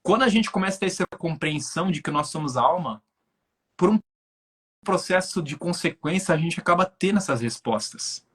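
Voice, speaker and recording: A man's voice: high-pitched, lively intonation, fairly quick, fairly bright tone, slightly rough. A man in his twenties giving an explanatory talk on a live stream over a video call, often checking in with his listeners. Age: 20s. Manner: explanatory, thinks aloud with many filler tags. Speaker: guest speaker on spirituality.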